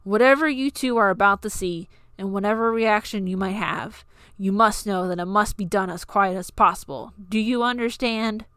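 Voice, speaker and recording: A woman's voice: medium pitch, normal speed, a bit bright, smooth, no room sound, clean studio sound, natural voice. A woman voicing a stern, impatient young man who gives clipped orders in a story reading.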